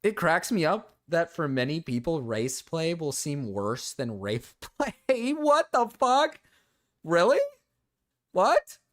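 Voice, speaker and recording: Animated male livestreamer with swooping pitch. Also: measured pace, few pauses. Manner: joking, repeats his phrases. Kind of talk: casual chat reacting to viewer comments.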